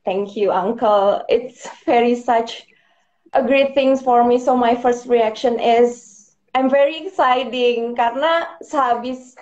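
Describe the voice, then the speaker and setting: A woman's voice: on the high side, takes it slowly, a little mellow, highs cut off. A young woman, a pageant finalist, answering eagerly and switching between languages over a video call. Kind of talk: casual interview answers, mixing English.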